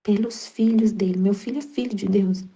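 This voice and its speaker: A middle-aged woman with a Brazilian accent, hosting a Catholic devotional channel and sharing a personal spiritual reflection in an earnest, repetitive way with halting restarts. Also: mid-range voice, fairly even intonation, mellow, husky. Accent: Brazilian Portuguese.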